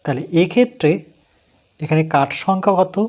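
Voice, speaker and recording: A man's voice: a little high, lively intonation, a little fast. A man with a West Bengal accent teaches a primary math lesson step by step. He counts aloud and asks questions that he then answers himself.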